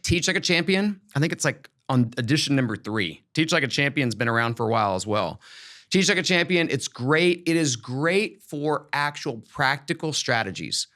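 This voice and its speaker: A man's voice: medium pitch, sharp tone. American man hosting an educational podcast. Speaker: podcast host, former school principal. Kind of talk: conversational educational podcast talk.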